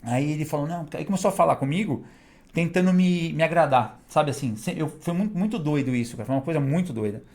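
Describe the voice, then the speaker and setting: A man, a guest telling stories in a casual, animated way and laughing between them. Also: on the high side, fast talker. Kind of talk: casual storytelling.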